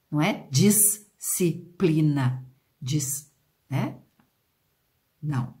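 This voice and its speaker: Brazilian woman teacher for a kids' video lesson; lowish, very expressive pitch, unhurried, stretches words out, asks the class questions. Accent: Brazilian Portuguese. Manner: slow, drawn-out pronunciation of example words; questions and prompts aimed at pupils.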